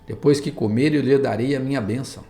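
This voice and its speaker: A pastor reading as a solemn old patriarch. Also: male voice, mid-range voice, fast talker, warm tone, soft background music, close to an everyday voice. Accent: Brazilian Portuguese.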